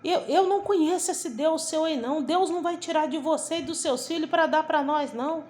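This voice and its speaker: Indignant pastor's wife, voiced by a woman, high protesting voice, sharp tone. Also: brisk, close to an everyday voice.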